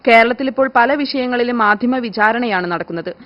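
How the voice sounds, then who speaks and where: A woman reads scripted news as a broadcast news reader. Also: fairly quick. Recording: muffled, low-fidelity broadcast audio.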